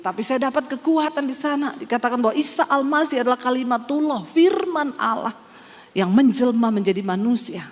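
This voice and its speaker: High-voiced woman preacher in a reverberant hall. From Indonesia. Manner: emotional storytelling, acts out her parents' quoted lines. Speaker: pastor. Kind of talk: sermon testimony.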